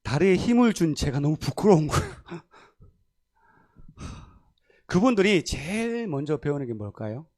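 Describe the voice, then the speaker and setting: Korean pastor man preaching, voice swings up and down a lot, bit high, acts out people in his stories. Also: normal speed, long pauses. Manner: animated, acts out quoted voices, laughs often. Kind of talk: sermon with storytelling. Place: church sanctuary.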